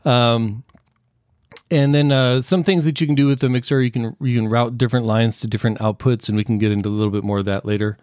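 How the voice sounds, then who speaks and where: A middle-aged man with a deep voice, explaining audio equipment as a podcast guest with halting restarts. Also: steady tone, darkish tone, dry recording, clean studio sound. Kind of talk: casual explanatory interview.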